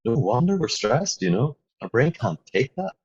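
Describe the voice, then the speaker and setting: A man with a Belfast accent, a guest calmly explaining his meditation work in an interview. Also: mid-range voice, normal speed, slightly rough. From Northern Ireland. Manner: calm, flowing explanations with frequent fillers. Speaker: guest, founder of a meditation app. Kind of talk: interview conversation. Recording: dull, muffled lo-fi audio.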